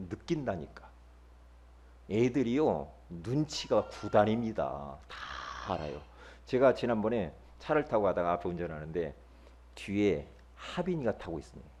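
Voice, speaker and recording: A middle-aged male pastor preaching a sermon, emphatic, swinging from loud bursts to low murmurs and acting out quoted churchgoers. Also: huge pitch swings, breathy edge. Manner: acts out quoted church members in quick asides.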